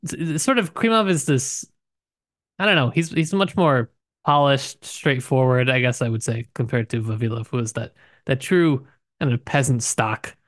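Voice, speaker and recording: A man's voice: medium pitch, normal speed, a bit bright, dry recording, studio quality. A man co-hosting a podcast, casually discussing a book in a joking, loosely worded way. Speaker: podcast co-host.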